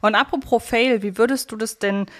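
A woman's voice: a little high, fairly even intonation, brisk, fairly bright tone. A woman co-hosting a podcast, casually discussing an audio drama series, agreeable and thinking aloud as she goes. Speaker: podcast co-host.

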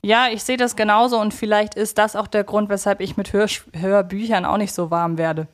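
A woman's voice: mid-range voice, steady tone, normal speed. A woman co-hosting a podcast, speaking conversationally and reflectively, often qualifying her own opinions. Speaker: podcast co-host.

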